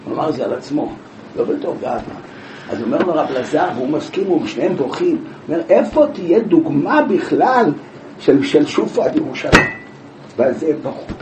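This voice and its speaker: A man teaching a Talmud class, telling the story with lively rhetorical questions. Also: fairly high pitch. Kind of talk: Talmud class, explaining a passage. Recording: echoey room from far off, with background noise.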